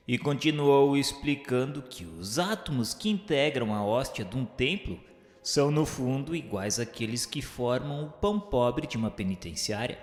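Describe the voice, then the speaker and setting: Male Brazilian narrator for spiritual radio drama: solemn, literary, instructive delivery, mid-range voice, long reverberant tail. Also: medium pitch. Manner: formal, measured, didactic. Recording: echoey hall reverb, music underneath. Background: music.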